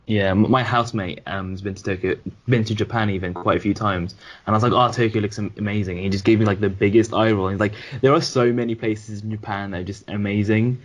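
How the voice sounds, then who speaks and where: A young man from Sweden in easy podcast chat, his voice sitting a bit low. He talks loosely, swears casually and leans on fillers. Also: fairly even intonation, fast talker.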